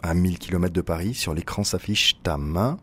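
A man reading a literary first-person text as narrator, in an intimate, measured way. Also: deep voice, husky.

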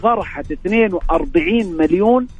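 A man calling in to a radio show, hoarse and emphatic, his voice nearly gone. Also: sits high, a little fast, faint music behind. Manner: excited, emphatic, swears oaths. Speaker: caller.

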